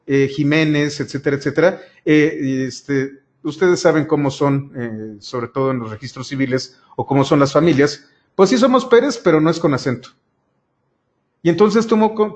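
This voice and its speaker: Guy walking students through code step by step, bit high voice, dull lo-fi sound. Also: darkish tone. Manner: explains step by step, addresses students directly. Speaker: programming instructor. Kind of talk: screen-recorded coding lesson.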